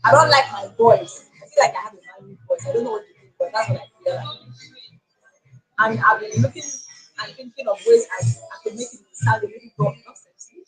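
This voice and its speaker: A woman giving a short speech to a workshop group, measured and pausing with fillers. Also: on the high side, expressive, fairly bright tone, soft background music, rough recording. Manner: measured, hesitant with pauses and fillers. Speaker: workshop participant.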